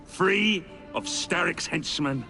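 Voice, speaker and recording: An actor playing a flamboyant, theatrical gang boss who speaks in a playful, grandiose way in a game cutscene. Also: male voice, on the high side, animated, vocal fry, music in the background, full character voice. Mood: theatrical glee. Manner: playful, grandiose, drawn-out delivery. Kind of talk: video game cutscene acting.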